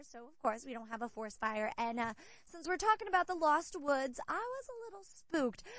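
A woman's high voice with very wide pitch swings and big swings in loudness, in a dry sound with no echo over light background noise. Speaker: TV news reporter. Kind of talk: live news segment chat. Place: forest. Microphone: handheld.

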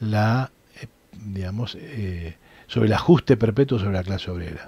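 A man's dark, mellow tone, dry with no echo, over a quiet background. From Argentina. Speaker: political speaker and historian; speaker. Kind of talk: lecture with audience Q&A. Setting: live stream. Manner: hesitant, many fillers. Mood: calm, critical. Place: home room. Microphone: headset.

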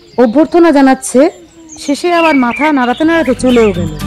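A woman's high-pitched voice, full of lively intonation, is heard over noticeable background noise. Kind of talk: travel documentary narration.

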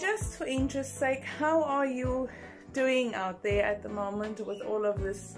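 Over clear music in the background, a woman speaks at a high pitch with ordinary pitch variation. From South Africa. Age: 40s. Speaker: vlogger. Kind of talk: casual talk to camera. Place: home room. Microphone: phone near.

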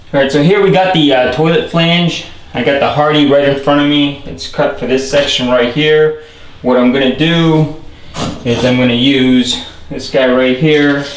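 Intonation stays fairly even at a moderate pace. Audible room echo and light background noise are present. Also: man. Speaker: renovation contractor. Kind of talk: tutorial. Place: bathroom. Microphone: camera far.

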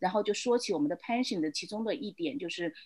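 A woman is heard against a quiet background. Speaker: remote interview guest. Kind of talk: interview answer. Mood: calm, reflective storytelling. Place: home room. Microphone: video call.

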